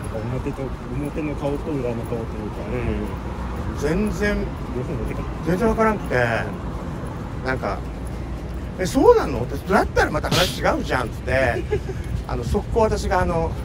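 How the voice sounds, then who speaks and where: Loud background noise runs under the voice. The pace is moderate, with long, frequent pauses. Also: man. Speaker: video host. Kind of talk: casual vlog chat, storytelling. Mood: animated gossiping story. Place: street. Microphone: phone near.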